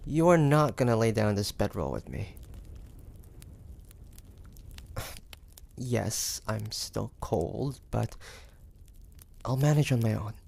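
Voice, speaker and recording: A man acts out a proud 1850s demon hunter in an intimate roleplay drama. His mid-pitched voice has a lot of gravelly fry. He speaks slowly and haltingly, with breathy sighs and a sardonic, guarded temper. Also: a little mellow, full character voice. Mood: reluctant, protesting. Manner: halting, breathy sighs, indignant then grudging.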